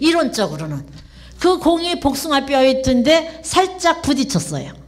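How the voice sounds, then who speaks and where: Very wide pitch swings at a moderate pace. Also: woman. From South Korea. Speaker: pastor's wife; seminar lecturer. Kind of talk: sermon. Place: hall. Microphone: podium.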